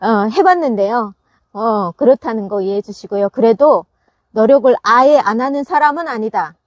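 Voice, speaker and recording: In a dry, close sound with no echo, a woman with a fairly high pitch talks at a moderate pace with lively intonation. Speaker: farmer and vlogger. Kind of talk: casual vlog talk. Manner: halting, many self-corrections.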